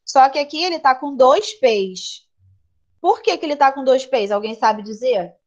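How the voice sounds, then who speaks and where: A woman teacher with a Brazilian Portuguese accent explains grammar to her class, stopping often to check that students follow. Her voice sits fairly high. The audio is slightly dull and lo-fi, as from a computer mic in an online class. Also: animated, moderate pace. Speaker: English teacher.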